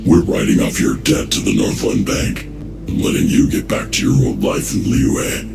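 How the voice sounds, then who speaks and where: A man's voice: sing-song, normal speed, exaggerated voice. A man voicing a smug, menacing villain agent in a video game, condescending and full of mock sympathy. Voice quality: very deep, gravelly. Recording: roomy echo, music behind.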